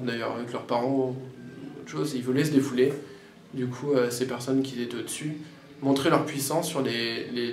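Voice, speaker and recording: A teenage boy giving a personal testimony, halting and reflective as he recounts events. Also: mid-range voice, darkish tone. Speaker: interviewee. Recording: roomy with faint background noise.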